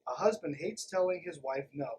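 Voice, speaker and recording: Higher-voiced man, sardonic podcast host. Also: a little fast, darkish tone. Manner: irreverent, sardonic, emphatic, swears freely. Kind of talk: reading a text aloud with sarcastic running commentary.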